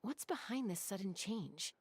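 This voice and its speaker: A woman voicing a composed, wry young warrior who cares for her family, in a measured video game performance. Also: mid-range voice, expressive, husky, no room sound. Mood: concerned. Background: soft game music.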